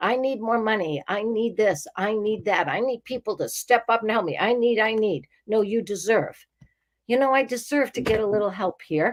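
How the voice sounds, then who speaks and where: Here a woman is speaking at a moderate pace. The pitch of her voice moves in an ordinary way. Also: fairly high pitch for a woman. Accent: Boston. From New England, north of Boston. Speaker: regular show guest, life coach. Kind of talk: casual chat. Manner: animated.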